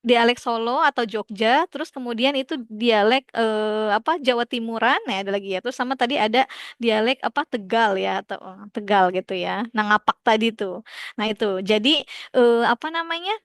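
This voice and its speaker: Young female teacher, casual and chatty, many fillers, slightly high voice, dry sound. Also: moderate pace, no room sound. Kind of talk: classroom lesson, questioning students.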